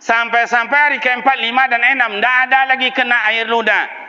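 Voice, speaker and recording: A man preaching a lively, humorous sermon in a village mosque, speaking, acting out the voices in his stories and putting questions to the congregation. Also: very high-pitched, a little fast. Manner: animated storytelling, acts out voices, quizzes the congregation. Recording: dull lo-fi sermon recording with faint ambience.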